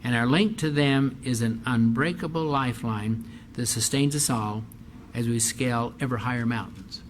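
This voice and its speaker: An older university president gives a formal speech in an auditorium before an audience, then takes their questions, repeating phrases to drive his points home. His medium-pitched voice moves at a moderate pace, with slight background noise.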